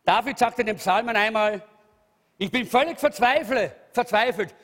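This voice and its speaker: A man preaching a lively, emphatic sermon, calling out hallelujah. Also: high-pitched, moderate pace. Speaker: pastor. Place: church hall. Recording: reverberant church hall.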